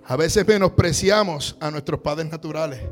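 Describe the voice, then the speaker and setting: A man preaching a sermon, calling on the congregation to repeat after him and rising to shouts. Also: a little high, normal speed, soft background music. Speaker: pastor.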